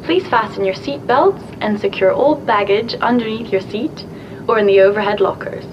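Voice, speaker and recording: A courteous flight attendant , voiced by a woman, reads cabin announcements in a formal, polished manner. The sound is somewhat muffled, with a steady rumble clearly heard underneath. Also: moderate pace, natural voice. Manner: polite, formal announcement delivery. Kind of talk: scripted English-lesson dialogue.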